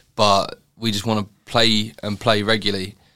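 With an Essex accent, a man speaks at medium pitch in a bright, sharp tone. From Essex, Chelmsford. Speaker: band musician. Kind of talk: casual chat.

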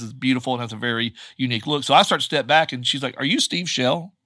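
Bright and sharp in tone, a man talks at a very fast pace with an Appalachian accent. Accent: Southern Appalachian US. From US South, Appalachia. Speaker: podcast host and voice actor. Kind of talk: casual interview.

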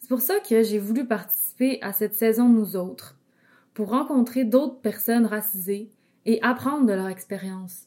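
The voice has a dark, mellow tone and ordinary pitch variation, moving at a moderate pace with big swings in loudness. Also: woman, fairly high pitch for a woman. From Quebec (Saguenay-Lac-Saint-Jean and Quebec City). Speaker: podcast co-host, international adoptee and activist. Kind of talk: scripted podcast narration and dialogue.

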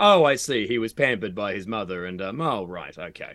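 A man talks fairly quickly in a strong Australian accent. His bright, sharp voice makes very wide pitch swings. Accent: broad Australian. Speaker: comedian. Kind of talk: casual chat.

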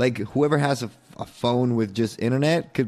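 A man talks at a fairly quick pace with a Spanish accent. His pitch is medium and his intonation fairly even. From Mexico. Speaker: podcast host. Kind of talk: interview. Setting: video call. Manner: halting.

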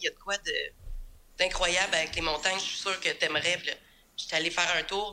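Fairly quick female speech with a bright, sharp tone. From Quebec, Sainte-Anne-des-Plaines. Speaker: painter. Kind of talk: casual chat.

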